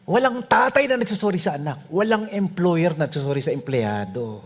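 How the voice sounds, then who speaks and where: A male pastor preaches with humorous, animated storytelling and often drops to soft asides. His voice is husky. His pitch swings widely as he tells the story. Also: a little fast. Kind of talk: sermon.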